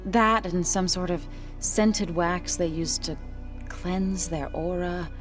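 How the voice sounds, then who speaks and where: Calm tribal lady from a video game, lowish voice, measured, bit of dry amusement, soft music under. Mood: musing. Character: calm, gently wry tribal woman, loyal companion. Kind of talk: video game cutscene acting. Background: faint music.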